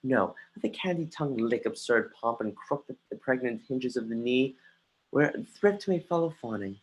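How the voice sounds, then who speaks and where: A man reads Shakespeare dramatically as an earnest, brooding young prince, his husky, mid-range voice carrying lively intonation. He stumbles often, speaking haltingly and restarting phrases mid-line in an earnest, confiding mood. It's captured roughly on a home computer mic during a livestream.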